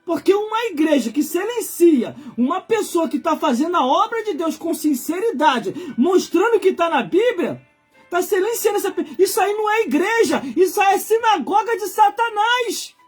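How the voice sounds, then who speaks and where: A man's voice: very high-pitched, animated, normal speed, soft background music. A man in his forties with a Brazilian accent, preaching informally on a livestream in an emphatic, colloquial way, repeating phrases for effect. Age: 40s. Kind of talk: informal live sermon.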